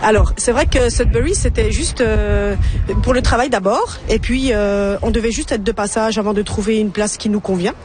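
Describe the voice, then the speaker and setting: A woman's voice: fairly high pitch, normal speed, a little mellow, faint music behind. A woman from France, answering interview questions hesitantly and with many fillers. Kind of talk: casual interview.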